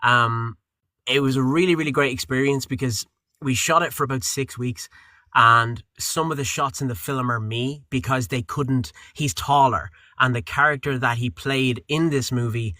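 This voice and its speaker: A male voice actor chatting freely, his tone bright and forward and his words wandering with lots of fillers and restarts. the sound is dry and close, recorded in a booth with little room echo. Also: medium pitch, normal speed. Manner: rambling, relaxed, with frequent fillers and restarts. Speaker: voice actor and audiobook narrator. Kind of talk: casual interview chat.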